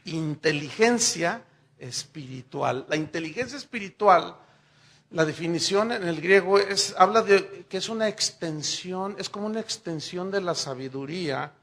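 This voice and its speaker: A middle-aged man, preaching a sermon and telling lively stories while speaking directly to the congregation. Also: high-pitched. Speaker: pastor.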